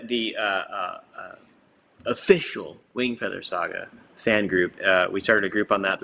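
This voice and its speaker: Male livestream host, bright lively voice, animated, laughs easily, faint background hiss. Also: on the low side. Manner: animated, laughs readily, reacts with "wow". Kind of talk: casual livestream hosting.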